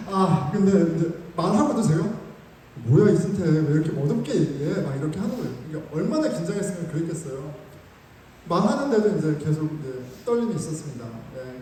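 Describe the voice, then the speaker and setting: Man, pastor, sermon, mellow voice, animated storyteller, far from mic, faint ambience. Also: sits high, a little hiss or hum. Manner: animated storytelling with self-mocking humor. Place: church sanctuary. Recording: echoey hall, mic far off.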